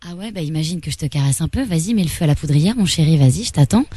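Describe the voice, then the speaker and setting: A woman's voice: sits low, expressive, rapid-fire, mellow, breathy edge, no echo, studio quality. A woman radio host flirting in a teasing, pushy way during a prank phone call.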